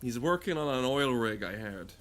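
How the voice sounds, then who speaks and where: A man's voice: mid-range voice, animated, normal speed, a bit bright. A man giving crude, comedic, rambling commentary while playing a game, swearing often. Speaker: gamer talking over gameplay.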